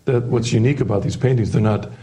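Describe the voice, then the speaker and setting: A man hosting a program, asking questions with gentle prompts and brief affirmations. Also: mid-range voice, fast. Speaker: TV program host. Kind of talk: interview hosting.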